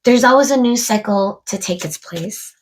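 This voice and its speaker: A woman's voice: medium pitch, moderate pace, very noisy. A woman reading tarot cards aloud, musing to spirit and viewers, a little stuffed up from a cold. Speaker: tarot reader. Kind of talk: casual tarot card reading to camera.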